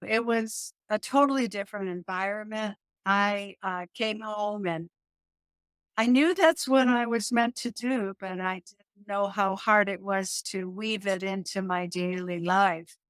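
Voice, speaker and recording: Animated middle-aged woman with a dry sound. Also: mid-range voice, measured pace, clear, resonant tone, no echo. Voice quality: calming voice. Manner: animated, laughs often, restarts sentences. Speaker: guest, yoga teacher and hypnotist. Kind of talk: conversational interview.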